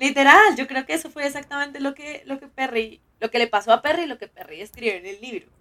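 Speaking at a very fast pace, a woman raises and projects her high voice, her bright, sharp tone carrying lively intonation and big swings in loudness. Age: 20s. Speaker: podcast host. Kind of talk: casual chat.

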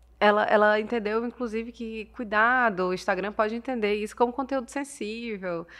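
Fairly high in pitch, a woman has an ordinary speaking voice with fairly even intonation, set against a quiet background. She keeps a moderate pace with hardly any pauses. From Fortaleza, Ceará, Brazil. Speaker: visual artist. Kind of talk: interview.

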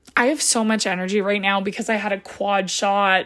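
A woman's animated, medium-pitched voice at a moderate pace, on a very clean recording with a silent background. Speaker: solo podcaster. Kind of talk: casual chat. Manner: loud.

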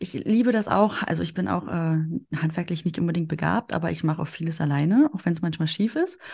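A woman with a fairly low pitch and a somewhat breathy voice speaks very fast. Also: ordinary pitch variation. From eastern Germany, near Polish border. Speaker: podcast host. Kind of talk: casual interview.

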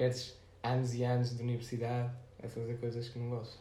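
In a European Portuguese accent, a man talks at a moderate pace. His pitch is medium, and the room echo is audible. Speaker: podcast co-host. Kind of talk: casual chat.

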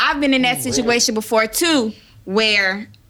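Her pitch is medium and her intonation lively as the woman talks at a fairly quick pace. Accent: Southern US. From Fort Myers, Florida. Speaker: guest. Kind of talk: casual chat.

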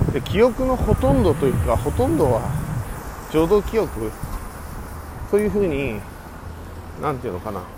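A man at a fairly quick pace with very wide pitch swings and long, frequent pauses, with audible room echo and noticeable background noise. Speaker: qigong healer. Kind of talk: casual monologue. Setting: outdoors in a park. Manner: halting.

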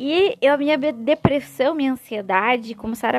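This woman has an ordinary speaking voice. She talks at a moderate pace with lively intonation. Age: 20s. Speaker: podcast host, mother. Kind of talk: casual monologue.

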